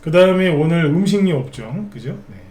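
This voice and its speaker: A man's voice: fairly high pitch, expressive, fairly quick, a little mellow, roomy sound. A man giving live stock market commentary, chatty, often asking tag questions and answering them himself.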